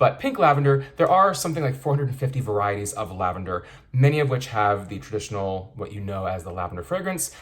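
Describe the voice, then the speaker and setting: With an American accent, a man at a medium pitch speaks at a very fast pace, somewhat breathy, with very wide pitch swings. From US, Western Pennsylvania. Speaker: candle reviewer. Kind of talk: product review.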